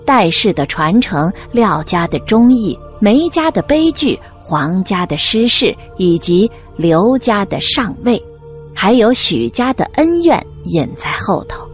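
Woman, dramatic preview read, lively pitch, faint music bed. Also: measured pace. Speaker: preview announcer. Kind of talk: scripted episode preview.

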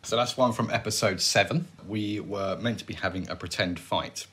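A man's voice: lowish voice, normal speed, bright, forceful tone. A man, chatting casually and teasing drily as a podcast co-host. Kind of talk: casual banter over bloopers.

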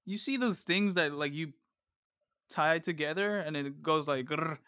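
A man's voice: on the high side, measured pace, pushed and bright. A man talking over voice chat with a streamer friend while gaming, teasing and easygoing. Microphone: remote voice chat mic.

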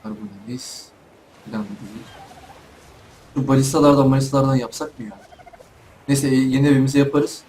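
A man's voice: mid-range voice, fairly even intonation, brisk, pauses often, darkish tone, a little hiss or hum. A young man giving casual let's play commentary from home, chatting to himself and the animals in the game. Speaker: gaming YouTuber.

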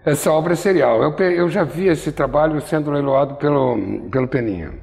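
A man's voice: on the high side, a little fast, gravelly, a little mellow, in a large hall. An older man from Brazil interviewing in an artist's studio on a lapel mic, telling wry, digressive stories. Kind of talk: rambling conversational interview.

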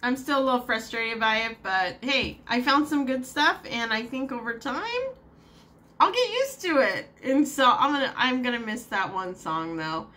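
A woman with a slightly high, expressive, sharp-toned voice speaks at a moderate pace in a casual home vlog. She vents her frustration in a rambling way, sprinkling in fillers and brief laughs.

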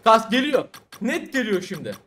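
A man's voice: sits high, sing-song, moderate pace, fairly bright tone. A young man commenting casually on a mobile game, exasperated and cursing at his bad luck. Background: music.

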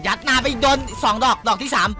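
A young man giving excited, crude gameplay commentary as a streamer, boasting and shouting at opponents. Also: very high voice, fast. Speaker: gaming streamer. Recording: music heard clearly behind the voice. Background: game music.

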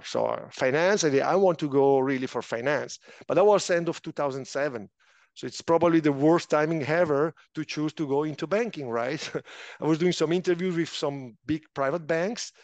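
A middle-aged man from Italian-speaking Switzerland with an Italian accent, telling his career story in an interview in slightly imperfect, lively English. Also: fairly high pitch, moderate pace, no echo. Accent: Swiss Italian. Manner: animated, slightly imperfect English, frequent restarts. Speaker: guest, finance official.

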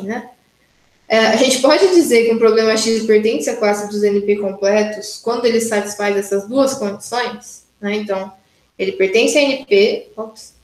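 Working through exercises step by step in an online class, a female university lecturer keeps checking on students with frequent "né?" and "tá?" Her mid-range voice is a little mellow, but the audio is poor and the room echoes.

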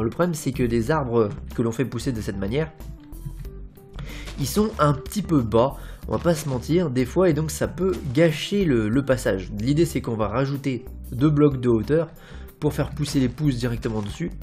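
A young man talks through a building tutorial in an easy, rambling way. His voice sits at an ordinary middle pitch, and he drops in fillers and small "hop" sounds as he places things. Faint music plays underneath. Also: animated, moderate pace, darkish tone. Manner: rambling and informal, many fillers and "hop", playful. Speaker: Minecraft building tutorial host. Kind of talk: casual gameplay tutorial narration. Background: faint background music.

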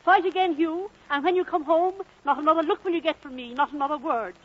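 A woman's voice: high-pitched, fast, lightly acted. A woman acting a scolding, scornful Welsh mother. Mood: indignant. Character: feisty, scolding Welsh mother and miner's wife. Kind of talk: vintage film drama acting. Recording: dull vintage film soundtrack.

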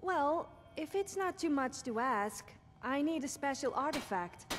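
A woman's voice: high-pitched, animated, measured pace. A woman playing a polite young quest giver in a fantasy video game, in a reverberant recording. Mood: polite request. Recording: long hall reverb, faint noise.

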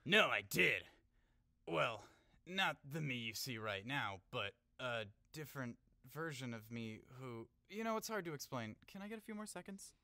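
A man's voice: medium pitch, very animated, normal speed, creaky, bright, forceful tone, dry recording, exaggerated voice. A man playing a bumbling, boastful thief in an amateur audio drama, blustering and stumbling over his boasts. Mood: flustered bluffing. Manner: hesitant bluster, stammering boasts.

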